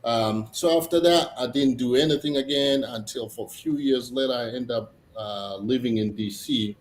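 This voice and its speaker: A man from Tanzania, a comedian chatting casually as a guest, halting, with many fillers and restarts. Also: medium pitch. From Tanzania, East Africa. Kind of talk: casual interview chat. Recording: echoey room, faint noise.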